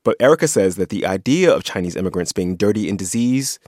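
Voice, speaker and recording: A man's voice: deep voice, lively intonation, fast, darkish tone, dry recording. A man co-hosting a podcast, explaining things in a conversational way, close to the microphone. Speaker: podcast co-host. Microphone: close studio microphone.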